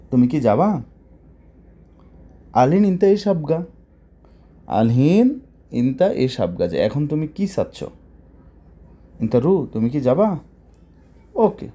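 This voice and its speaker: A man with a mellow, darker voice gives a language lesson. He goes word by word and repeats each phrase. He keeps checking his listeners with quick questions. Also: medium pitch, slightly rough. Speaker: Arabic teacher.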